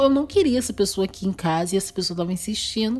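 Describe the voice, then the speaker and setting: A woman talks at a very fast pace with very wide pitch swings. Music plays in the background. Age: 30s. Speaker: podcaster. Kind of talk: personal monologue. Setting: home at night. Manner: halting.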